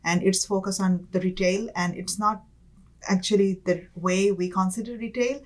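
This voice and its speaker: A woman's voice: mid-range voice, steady tone, moderate pace. A woman in her thirties from Bangladesh with a Bangladeshi accent, a business school student chatting as an interview guest, often saying "like" and "kind of". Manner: chatty, frequent "like" and "kind of", light laughs. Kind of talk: conversational interview.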